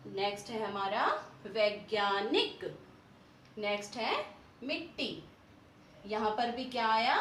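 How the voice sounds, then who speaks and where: A woman's voice: medium pitch, slight background noise. A woman teacher explaining spelling and pronunciation, asking questions and answering them herself, drawing out the words she models. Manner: slow, drawn-out model pronunciations. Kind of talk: Hindi spelling and pronunciation lesson. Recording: echoey room, voice from a distance.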